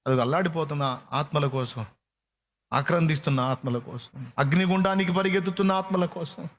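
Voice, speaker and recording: A man's voice: on the high side, brisk. A man preaching a sermon with fervor, repeating phrases for emphasis. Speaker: pastor.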